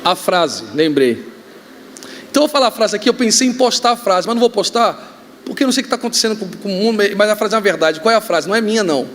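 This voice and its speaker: A man with a Brazilian accent, a pastor preaching a sermon, joking and telling stories with sudden shouts. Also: sits high, fast, a little hiss or hum. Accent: Brazilian Portuguese. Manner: joking, animated storytelling with shouts. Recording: reverberant hall, faint ambience.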